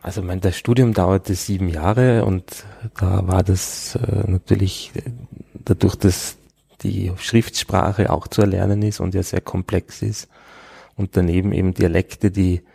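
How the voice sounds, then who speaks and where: Man, low gravelly voice, dark and husky, measured interviewee pace with fillers. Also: fairly even intonation, no room sound. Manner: thoughtful, hesitant with frequent fillers. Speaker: interviewee, Arabic scholar. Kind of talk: conversational interview.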